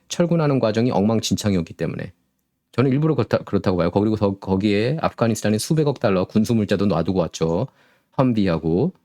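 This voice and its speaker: Male commentary host, lively pitch swings, sarcastic, rhetorical, mid-pitched voice. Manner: sarcastic, rhetorical questions, animated. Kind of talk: solo political commentary.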